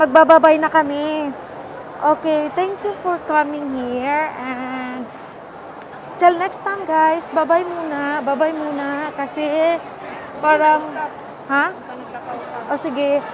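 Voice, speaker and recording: Noticeable background noise and audible room echo surround a woman with a high voice. She talks at a very slow pace with fairly even intonation and long, frequent pauses. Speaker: vlogger, live streamer. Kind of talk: live stream chat with viewers. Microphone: muffled by face mask.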